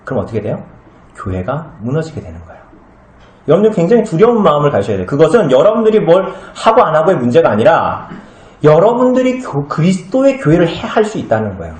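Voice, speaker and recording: Animated pastor in an echoey church. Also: male voice, fairly high pitch, fast talker. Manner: conversational, asks the congregation many questions; acts out short comic scenes with changed voices. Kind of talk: sermon. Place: small church hall. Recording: echoey room.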